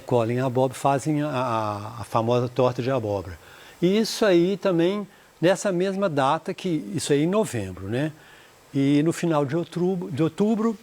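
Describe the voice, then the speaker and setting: A man with a Brazilian Portuguese accent teaches an English lesson in a slightly high voice. He explains step by step and says each English word slowly and with care, often checking in with a quick "né?". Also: darkish tone.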